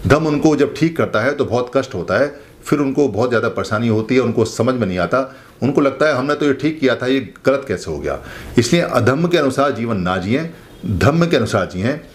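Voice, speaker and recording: A man giving a spoken Buddhist teaching, explaining slowly and repeating phrases for emphasis. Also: mid-range voice. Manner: slow, repetitive, explanatory preaching. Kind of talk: spoken dharma talk.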